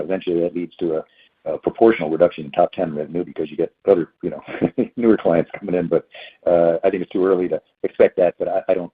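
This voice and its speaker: Husky deep-voiced executive on a phone line. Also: male voice. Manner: halting, hesitant, repeats words. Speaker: company executive answering analysts. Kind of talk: earnings call question and answer. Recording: phone-like narrow band conference call.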